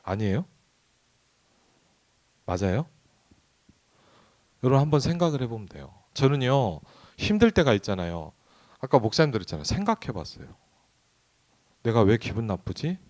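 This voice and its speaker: A man's voice: mid-range voice, big pitch swings, normal speed, pauses often, darkish tone. A man who is a pastor, preaching a midweek sermon in a conversational way and often asking the congregation questions. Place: church sanctuary.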